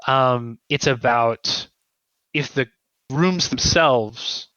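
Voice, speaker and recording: A man being interviewed as a guest writer, explaining his ideas conversationally in a thoughtful, halting way and often checking in with "right?". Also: medium pitch, pushed and bright, dry recording, muffled recording.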